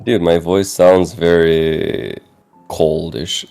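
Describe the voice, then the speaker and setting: A man's voice: low-pitched, little pitch movement, extremely slow, vocal fry, dark tone, faint music behind. A man co-hosting a game stream, chatting in a laid-back, hesitant way. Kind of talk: casual gameplay chat. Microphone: desk mic.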